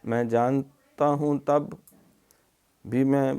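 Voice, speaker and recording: Middle-aged male teacher, Pakistani Urdu accent, clear and resonant, mid-pitched, drawn-out drilled syllables. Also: fairly even intonation. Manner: drills letter sounds slowly, then explains; stretches syllables, louder on drills. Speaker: Quran recitation teacher. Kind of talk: recorded tajweed lesson.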